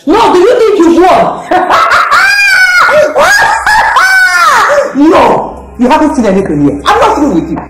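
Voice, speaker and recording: A woman playing a shrill vengeful woman screaming curses. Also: huge pitch swings, slow pace, long pauses, heavy background noise, heavily acted. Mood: furious. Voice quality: shrill, shouting curses, mocking laughter. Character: vengeful furious woman cursing a man. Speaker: bitter cursing woman. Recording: very echoey room, loud crowd behind.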